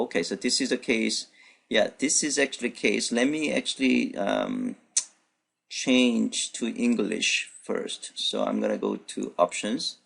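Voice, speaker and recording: Gravelly man walking through a coding demo. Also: fairly low pitch. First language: Korean. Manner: thinks aloud with many fillers and restarts. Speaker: programming instructor. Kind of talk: unscripted screencast walkthrough. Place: at his computer, voice-over on screen recording.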